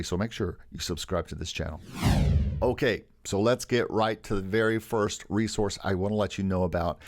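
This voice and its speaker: A man's voice: fairly low pitch, a little mellow. A middle-aged man hosting a music licensing tutorial channel, talking in an enthusiastic, salesy way. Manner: enthusiastic, salesy, calls himself a carnival barker. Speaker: YouTube host teaching music licensing. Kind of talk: upbeat promotional tutorial.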